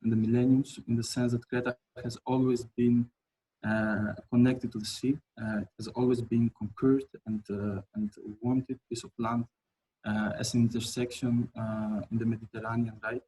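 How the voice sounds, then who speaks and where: A man's voice: medium pitch, level tone, moderate pace, warm tone, a little hiss or hum, poor audio. A man from Albania presenting his architecture projects in a webinar, hesitant, with many fillers and restarts.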